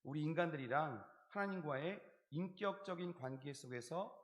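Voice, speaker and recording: A male pastor preaching in a fairly high voice, telling a personal story with vivid acted-out inner thoughts. The sound is roomy, with the echo of a church sanctuary carrying each phrase. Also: animated, normal speed. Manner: storytelling, acting out his own inner dialogue and singing hymn lines. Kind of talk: sermon. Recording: echoey church hall recording.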